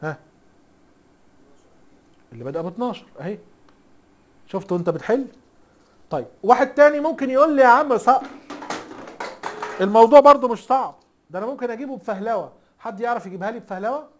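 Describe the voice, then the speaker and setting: A very high-voiced man with lively intonation talks fast but leaves long pauses. He's an IT instructor with an Egyptian accent teaching a casual recorded lesson, teasing and chatty, always throwing rhetorical questions at the class.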